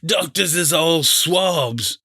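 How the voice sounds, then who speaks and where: A man voicing a feeble old seafaring pirate in an audiobook, pleading and agitated in rough sailor's dialect. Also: fairly high pitch, takes it slowly, bright, forceful tone, dry recording, clean studio sound, voice pushed up, heavily acted. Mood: indignant, cursing. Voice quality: weak voice. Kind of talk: audiobook character acting.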